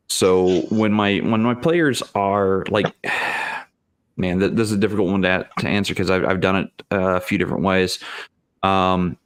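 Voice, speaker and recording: A man's voice: deep voice, clear, resonant tone, dry recording. A man talking casually as a panelist, hesitant and thinking aloud in fragments. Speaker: panelist and game master. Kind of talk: casual discussion.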